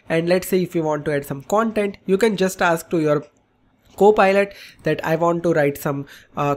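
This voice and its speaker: Indian-accented man explaining software. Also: a little high. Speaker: tech tutorial host. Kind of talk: explanatory software walkthrough narration.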